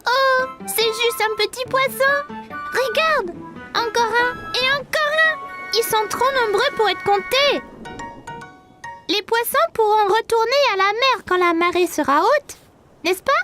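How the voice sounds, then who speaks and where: A four-year-old cartoon boy with an extremely high, bright voice. He speaks slowly, with an eager, wide-eyed curiosity and a touch of timidity. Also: faint music behind, heavily acted. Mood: curious. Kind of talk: children's cartoon dub.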